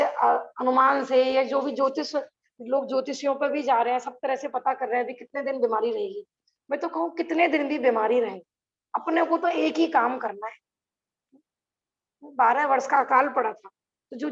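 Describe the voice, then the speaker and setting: Over flat, low-fidelity audio reminiscent of a video call, a female religious teacher runs a scripture class online. Her voice is high and gravelly, her delivery earnest, and she often asks her students rhetorical questions.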